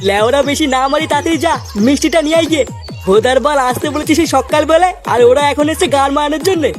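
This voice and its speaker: A man's voice: extremely high pitch, very fast, faint music behind. A man voicing a bad-tempered, foul-mouthed father who bosses and scolds everyone in a comic cartoon. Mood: angry. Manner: scolding, swearing constantly.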